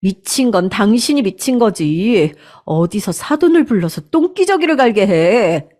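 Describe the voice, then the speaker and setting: A woman voicing a furious young married daughter, shouting indignantly in a storybook drama. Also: mid-range voice, big pitch swings, a little slow.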